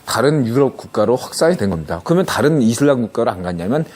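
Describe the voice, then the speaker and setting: A man's voice: mid-range voice, big pitch swings, quick pace, a little mellow. A middle-aged man hosting a podcast, explaining a topic in a casual monologue, often breaking off and checking in with listeners. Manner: conversational, many restarts and rhetorical checks like "예?". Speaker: podcast host.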